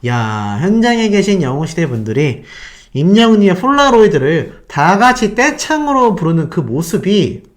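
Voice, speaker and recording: Animated, lively-voiced man telling a story. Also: a little high. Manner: excitable, asks the audience rhetorical questions. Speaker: fan channel host.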